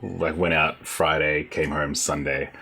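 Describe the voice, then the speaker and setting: An Australian man shares personal experience as a panelist in a casual way. His voice is extremely deep, with a husky, rough texture. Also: little pitch movement, measured pace, pushed and bright, soft background music.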